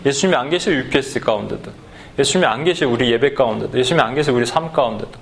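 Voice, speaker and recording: Korean pastor telling a story animatedly. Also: male voice, medium pitch, racing, gravelly. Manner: animated storytelling, acts out voices, then leads sung worship. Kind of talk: sermon with acted skit retelling. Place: church sanctuary.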